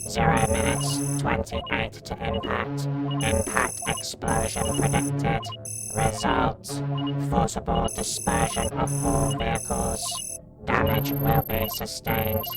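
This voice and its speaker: A man's voice: medium pitch, takes it slowly, gravelly, pauses often, full character voice, poor audio. A man voicing a cold, emotionless machine intelligence in a science fiction audiobook, with clipped mechanical phrases and robotic processing. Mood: cold, urgent. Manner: clipped, monotone, mechanical delivery of short reports. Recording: loud music behind.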